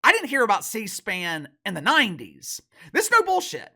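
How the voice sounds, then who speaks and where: A man's voice: high-pitched, wildly swooping pitch, moderate pace, gravelly, pushed and bright. A man, middle-aged, hosting online commentary in a sarcastic, mocking, emphatic manner. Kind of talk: opinionated commentary to camera.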